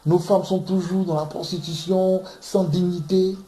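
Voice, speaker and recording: A man's voice: high-pitched, flat delivery, unhurried, dark tone. A man from Ivory Coast preaching on scripture in an emphatic way, often repeating words as he searches for them. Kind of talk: impassioned bible teaching. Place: room in London. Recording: echoey room.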